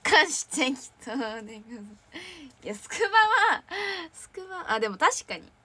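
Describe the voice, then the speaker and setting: A bubbly woman with a slightly high voice chats casually on her fan livestream. She reads viewer comments, giggles a lot and keeps things light. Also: expressive, moderate pace, bright, forceful tone, breathy edge. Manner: bubbly, chatty, frequent giggles. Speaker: idol trainee hosting a fan livestream.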